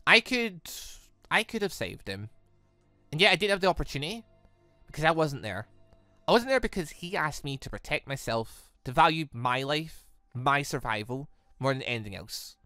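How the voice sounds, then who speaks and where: A man voicing a bitter, resolute young fantasy woman in a measured, guarded way. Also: a little high, sing-song, bright, forceful tone, no echo, soft background music. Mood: resolute, grave.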